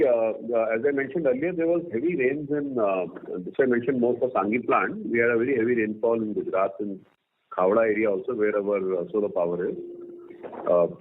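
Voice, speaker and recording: A man with an Indian accent fields analyst questions as a company executive. He pauses often mid-sentence, and his voice comes through a narrow telephone band with faint noise and clicks. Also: mid-range voice. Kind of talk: earnings call question-and-answer. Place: conference call line. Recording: noisy phone line with clicks.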